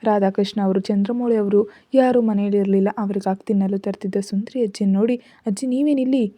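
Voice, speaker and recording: Woman narrator, storybook reading, very mellow dark tone, dry close sound. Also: medium pitch, steady tone, fairly quick, dry recording.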